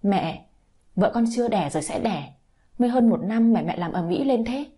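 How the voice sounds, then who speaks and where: A woman reading the lines of a torn, gentle young husband in a story, softly and wearily. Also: medium pitch, animated, moderate pace, breathy edge. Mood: pleading. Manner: soft, weary.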